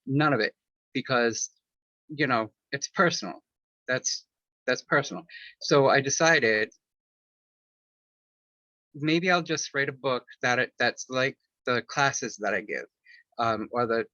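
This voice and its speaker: Guy with a bright voice rambling through an interview answer, lots of ums, dry dull-sounding recording. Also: mid-range voice, slow, long pauses, no echo. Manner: rambling, many fillers and restarts; candid, personal. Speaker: author and interview guest.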